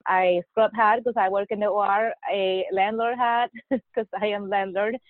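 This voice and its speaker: A woman's voice: medium pitch, steady tone, moderate pace, no echo. A woman, a podcast guest who speaks hesitantly and laughs often. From Mexico. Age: 40s. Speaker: guest, nurse anesthetist. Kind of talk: podcast interview. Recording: dry tinny phone-like line.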